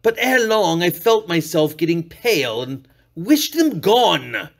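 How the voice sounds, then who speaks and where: A man performing a dramatic storybook reading as an unhinged murderer, theatrical, sliding from hushed purring to shrieks. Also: high-pitched, big pitch swings, slow pace, vocal fry, heavily acted. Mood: sly, gloating. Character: unhinged male murderer, gloating and paranoid, classic villain. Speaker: reader.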